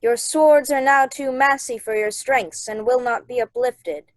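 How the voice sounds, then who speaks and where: High-voiced woman as solemn spirit. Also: fairly even intonation, measured pace, no echo. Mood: solemn, accusing. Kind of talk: Shakespeare performed as a radio play.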